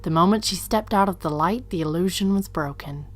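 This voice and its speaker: A woman with a fairly low voice narrates an audio drama over faint music. Her delivery is scripted storytelling, as the narrator of the piece. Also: brisk.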